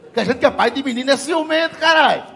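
A middle-aged man works a live crowd in a stand-up routine. His voice sits high for a man and has a gravelly rasp. He is profane and animated, and faint audience noise hums behind him on stage. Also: very fast. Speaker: stand-up comedian.

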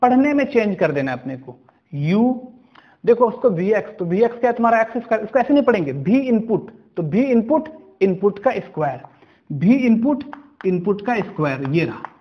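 A man's voice: sits high, very animated, muffled recording. A man teaching a maths lesson, working step by step through problems and often asking whether the class understood. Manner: slow, step-by-step, checks understanding with questions.

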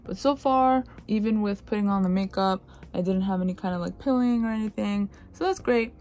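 A woman's voice: medium pitch, brisk, darkish tone. A woman beauty vlogger chatting casually through a product review, with slang and playful asides.

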